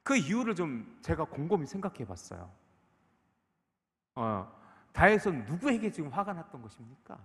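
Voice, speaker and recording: A man's voice: on the high side, normal speed, long pauses. A man preaching a sermon as a pastor, building through rhetorical questions and voicing a character's anger. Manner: animated, rhetorical questions, acts out the speaker's anger. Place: church sanctuary. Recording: echoey church hall.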